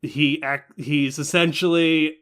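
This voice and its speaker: Brief: young male podcast co-host, smooth resonant voice, a bit high, loose rambling delivery. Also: slow pace. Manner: rambling, many fillers, animated. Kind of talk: casual anime review chat.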